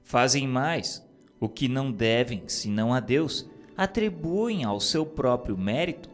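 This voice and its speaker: A man reading a script of spiritual messages in a solemn, measured, preacherly manner. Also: medium pitch, lively intonation. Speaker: narrator. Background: music.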